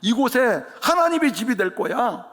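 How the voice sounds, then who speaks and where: A man voicing God, who speaks calmly and reassuringly to a sleeping person. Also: very high voice, normal speed, heavily acted. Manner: calm, assuring, fatherly.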